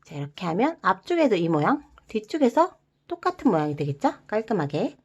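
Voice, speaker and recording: A woman guiding viewers through a paper-folding craft step by step, gentle and encouraging, with playful sound words. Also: medium pitch, very animated, a little fast, slightly rough, dull audio. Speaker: origami instructor.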